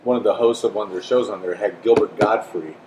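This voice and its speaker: A man's voice: lowish voice, fairly even intonation, fast, reverberant, heavy background noise. A Midwestern American man hosting a comedy podcast in a casual, rambling way, laughing often and repeating his words. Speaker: podcast host.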